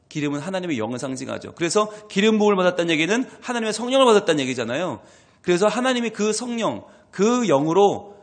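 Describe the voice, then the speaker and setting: A man's voice: on the high side, creaky, breathy edge. A male pastor preaching a dawn prayer sermon, asking the congregation questions and acting out little dialogues as he explains scripture.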